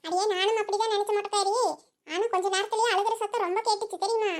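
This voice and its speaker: A woman plays a nosy village neighbor in a cartoon who rattles off gossip in a very high, squeaky voice. She talks at a quick clip, pushing her story with little chuckling asides. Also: fairly even intonation. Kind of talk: cartoon voice acting.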